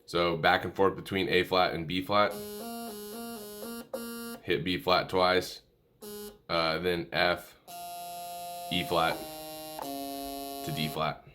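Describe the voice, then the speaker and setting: Very deep-voiced man teaching music. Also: level tone, slow pace, pauses often. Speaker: music tutorial instructor. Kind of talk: informal instrumental lesson, calling out notes. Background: musical instrument playing between and under phrases.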